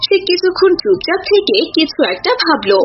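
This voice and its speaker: A woman's voice: very high-pitched, very animated, a little fast, muffled recording, slight background noise. A woman narrating a scripted cartoon folk tale as a storyteller.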